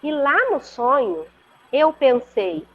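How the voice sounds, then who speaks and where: A woman's voice: high-pitched, sing-song, slow pace. A woman with a Brazilian Portuguese accent, telling a story as an interview guest over a video call, earnest and vivid, often checking in with her listener. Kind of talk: conversational storytelling. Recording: muffled lo-fi video call audio.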